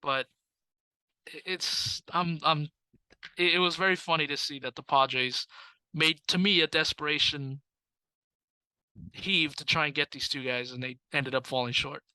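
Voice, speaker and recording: Casting: man, sports podcast co-host, very bright and forward voice, blunt and jokey. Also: fairly high pitch, steady tone, a little slow, long pauses, clean tone, no echo, low-quality recording. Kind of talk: casual sports chat.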